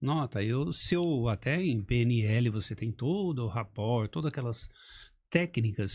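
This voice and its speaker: A somewhat breathy man at a very slow pace, with very wide pitch swings, on a very clean recording with a silent background. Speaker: public speaking trainer. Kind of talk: podcast interview. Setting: studio.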